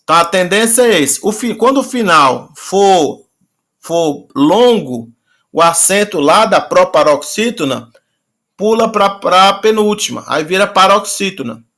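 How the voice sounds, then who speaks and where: Male teacher, fairly high and bright voice, patient and repetitive in his explaining. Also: expressive. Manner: patient, repeats and slowly draws out words. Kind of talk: online class lecture.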